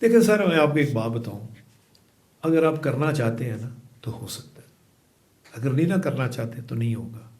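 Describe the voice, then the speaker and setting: A middle-aged Pakistani man who once served as president of a chamber of commerce gives emphatic, expressive interview answers. His delivery swings between forceful outbursts and low, quiet remarks.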